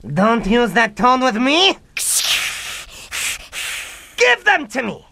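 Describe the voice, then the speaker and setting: A woman's voice: a little high, big pitch swings, slow pace, creaky, noisy background, heavily acted. A woman playing a petulant, grandiose young mad scientist in a comic radio drama, melodramatic and sulky. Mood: menacing, grandiose.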